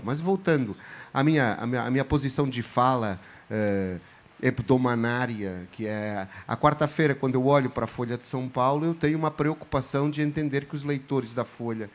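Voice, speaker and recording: A man from Portugal whose accent leans Brazilian, speaking as an author on a festival panel, reflective and halting, with many restarts. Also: medium pitch. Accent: Portuguese, softened toward Brazilian. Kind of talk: panel discussion.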